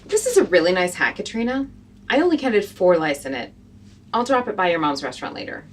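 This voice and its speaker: A cantankerous, hot-tempered wasteland woman, played by an actress, whose voice swings widely in pitch. Faint noise hums under the recording of this post-apocalyptic comedy piece. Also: big pitch swings, fairly quick. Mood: brooding. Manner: huffy, then soul-searching.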